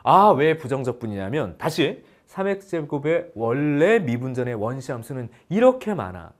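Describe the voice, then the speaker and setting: Lively, animated male math teacher. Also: medium pitch, normal speed. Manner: animated and playful, mixes polite and casual speech. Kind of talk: online lecture.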